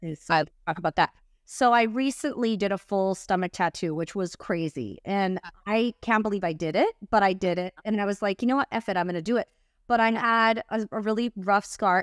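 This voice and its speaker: A woman hosting a casual podcast chat, talking openly and confessionally, stumbling and restarting as she goes. Her voice sits at an ordinary middle pitch. The recording is close and dry, with no room sound. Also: no room sound. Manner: candid, confessional, with many restarts. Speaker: podcast host.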